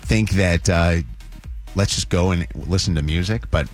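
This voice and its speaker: A man's voice: sits low, a little slow, faint music behind. A man co-hosting a morning radio show, talking casually and hesitantly with many restarts. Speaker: radio co-host.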